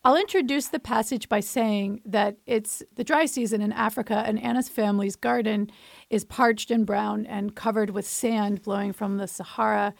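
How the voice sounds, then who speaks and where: Gravelly-voiced woman interviewer. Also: mid-range voice, steady tone, normal speed, no echo, studio quality. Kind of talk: scripted interview questions.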